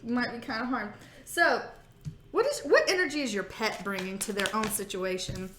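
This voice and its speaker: A woman's voice: fairly high pitch, expressive, moderate pace, fairly bright tone, slight background noise. A woman giving a casual tarot reading on video, sassy and joking, often laughing. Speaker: tarot reader. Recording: roomy echo.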